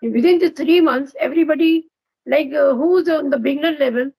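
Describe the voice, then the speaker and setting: A woman's voice: sits high, fairly quick, creaky, mellow, low-quality recording. A woman with an Indian English accent hosting an English practice video call, asking friendly, encouraging questions. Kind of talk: casual video call chat.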